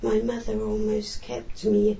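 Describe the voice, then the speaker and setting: A woman medium voicing the gentle spirit of an early-1900s woman, with a childish-sounding voice and hesitant, repeating speech. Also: medium pitch, completely flat delivery, a little slow, vocal fry. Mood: wistful. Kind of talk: séance channeling. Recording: echoey room, dull lo-fi sound.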